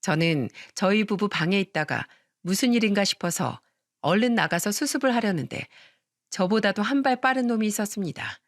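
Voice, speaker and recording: A narrator telling a radio story in a calm, confessional storytelling manner. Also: mid-range voice, normal speed, no echo, clean studio sound.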